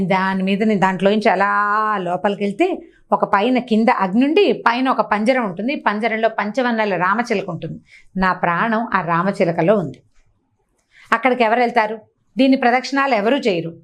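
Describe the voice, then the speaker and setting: A woman's voice: mid-range voice, natural voice. A woman storyteller voicing an old demon ogress mother, explaining in a boastful, matter-of-fact way.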